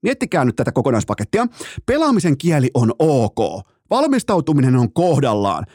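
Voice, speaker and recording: A man hosting a sports podcast, ranting in a mock-outraged comic way and shouting out quoted commands. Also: medium pitch, wildly swooping pitch, breathy edge, no echo, clean studio sound. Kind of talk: comedic sports podcast rant.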